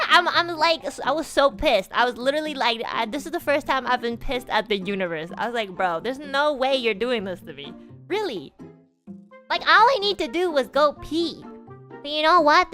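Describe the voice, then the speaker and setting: High-voiced young woman, animated storytelling. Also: a little fast, faint music behind. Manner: animated, swearing, laughing, acts out her past self loudly. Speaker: streamer. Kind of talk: casual storytelling chat.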